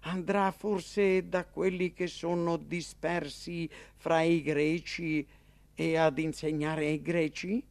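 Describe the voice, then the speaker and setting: Skeptical men mutter to one another, hushed and wary, as a man reads their lines. It is slow and sounds dry and close. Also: level tone, gravelly, no room sound. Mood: suspicious. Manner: hushed, low-voiced.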